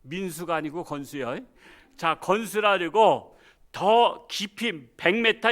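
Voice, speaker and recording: A man preaching a sermon in a church, with animated storytelling and frequent rhetorical questions to the congregation. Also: high voice. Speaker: pastor.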